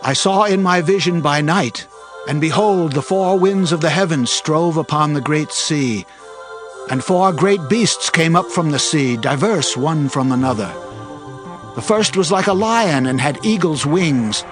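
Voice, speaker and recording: A man playing a faithful, earnest prophet in a dramatized scripture production, speaking with solemn, measured declamation. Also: on the high side, lively intonation. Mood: awed recounting. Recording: music behind the voice.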